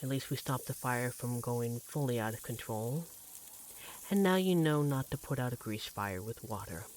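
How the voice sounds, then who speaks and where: Man playing a gently teasing vampire lover, noisy background. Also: mid-range voice, moderate pace, close to an everyday voice. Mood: teasing, amused. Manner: tender, gently teasing, conversational. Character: affectionate vampire, lover of an angel, teasing and devoted. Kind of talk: scripted roleplay audio drama, one-sided conversation. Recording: clearly audible background noise, sizzling kitchen effects.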